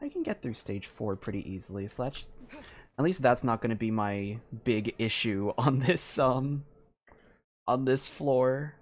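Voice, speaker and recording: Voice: mid-range voice, lively intonation, measured pace. A game streamer talking casually and thinking aloud, in an informal, hesitant and rambling way. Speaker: livestreamer playing a game.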